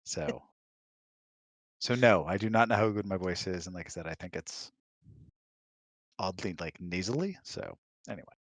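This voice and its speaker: Low-voiced man explaining things conversationally. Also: animated, moderate pace, long pauses, no echo. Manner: conversational, explanatory, checks with "right?". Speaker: guest, the host's husband. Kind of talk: casual chat, explaining opinions.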